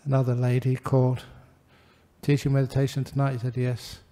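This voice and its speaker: An older man, a Buddhist monk giving a gentle, humorous dharma talk to a gathering. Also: mid-range voice, completely flat delivery, a little fast. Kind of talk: relaxed dharma talk with anecdotes.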